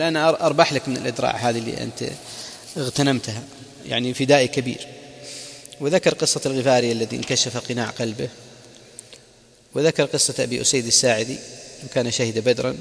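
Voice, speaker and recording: Male religious lecturer, brisk delivery, recites verse slowly, hall reverb. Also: mid-range voice, vocal fry. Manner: recites quoted verse slowly, explains words in dialect. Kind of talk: classroom lecture on prophetic biography.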